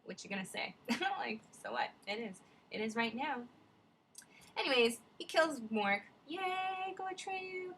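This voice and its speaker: A woman's voice: fairly high pitch, expressive, measured pace, fairly bright tone, slight background noise, rough recording. A woman vlogger musing in casual, rambling reflective commentary, digressing often with many fillers.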